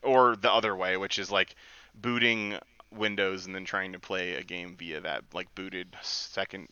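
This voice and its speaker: Casual podcast co-host, male, very bright crisp tone, dull dry sound. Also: low voice, fairly even intonation, measured pace, no room sound. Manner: rambling, many restarts and fillers. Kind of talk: casual group chat.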